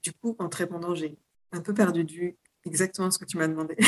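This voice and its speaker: A woman speaks in a normal speaking voice. Her pitch is fairly low, and her intonation stays fairly even. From Mexico. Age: 30s. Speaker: yoga teacher and author. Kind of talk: casual interview chat.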